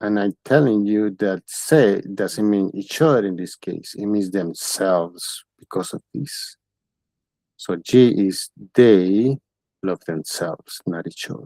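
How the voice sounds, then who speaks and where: At a very slow pace, a man with fairly low pitch and a dark, mellow tone shows ordinary pitch variation in a dry, close sound with no echo. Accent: Spanish. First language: Spanish. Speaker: Spanish teacher. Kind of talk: tutorial. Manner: halting.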